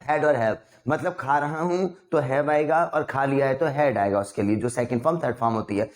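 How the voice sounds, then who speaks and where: A young man teaching English vocabulary in a casual, chatty way. He mixes two languages and slows down to spell out the English example sentences. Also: medium pitch.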